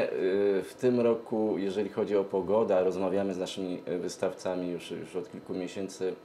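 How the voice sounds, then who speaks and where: A middle-aged man answers interview questions hesitantly, pausing often mid-sentence. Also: low-pitched, mellow, slight background noise. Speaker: event organizer, interview guest. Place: TV studio, seated at a glass desk. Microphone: lapel mic.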